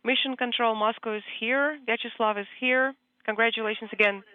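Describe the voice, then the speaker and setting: A man's voice: very high-pitched, fairly even intonation, a little fast, smooth, dry recording. A man making terse, clipped procedural calls over a breaking up space radio link. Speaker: crew and mission control on the radio loop. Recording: tinny narrow-band radio link.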